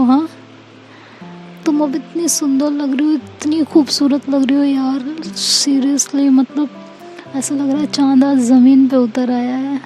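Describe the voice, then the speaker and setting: A woman's voice: high voice, warm tone. Woman voicing Seerat, a smitten dreamy lover. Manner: poetic, lovestruck, flirtatious.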